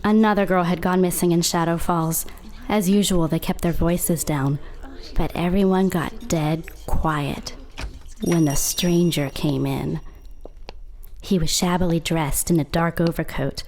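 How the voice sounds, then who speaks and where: An actress playing a young small-town narrator of a horror audio drama, wry, measured and knowing. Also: female voice, lowish voice, fairly even intonation, darkish tone. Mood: wry, ominous.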